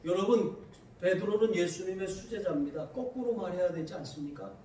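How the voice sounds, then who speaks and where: A man preaching a sermon as pastor, reading scripture slowly and telling lively, laughing anecdotes. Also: high voice, a little hiss or hum. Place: church sanctuary. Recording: very echoey church sanctuary heard from a distance.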